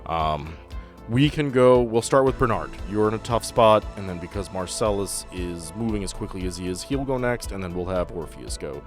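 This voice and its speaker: Deep-voiced man running a tabletop game. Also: animated, moderate pace. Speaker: game master. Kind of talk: casual tabletop game narration and rulings. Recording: music playing under the voice.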